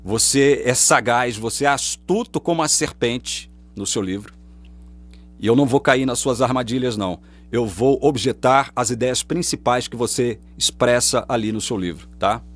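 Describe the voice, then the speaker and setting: A man's voice: medium pitch, normal speed. A man with a Brazilian Portuguese accent delivering a combative religious monologue to camera, full of rhetorical questions. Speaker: online preacher. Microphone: webcam or phone facing speaker.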